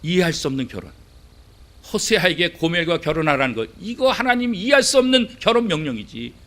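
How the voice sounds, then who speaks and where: A middle-aged male pastor preaching a sermon, acting out quoted voices and asking the congregation rhetorical questions, swinging between loud and hushed. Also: a little high, very animated, fairly quick.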